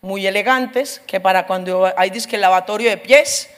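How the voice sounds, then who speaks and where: A middle-aged woman preaching a humorous testimony, telling her story lively and acting out the voices of others. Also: medium pitch, normal speed. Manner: lively storyteller, acts out voices, laughs often.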